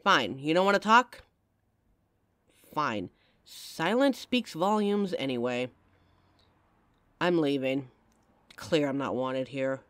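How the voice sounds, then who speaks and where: A woman plays a devoted young girlfriend in an audio roleplay, frank and caring, speaking right to the listener. Her pitch rises and falls a lot as she talks. The sound is dry and close-miked. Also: lively intonation, slow, pauses often, fairly bright tone, no room sound, exaggerated voice. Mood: hurt, confronting. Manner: speaks straight to the listener, intimate and emotional.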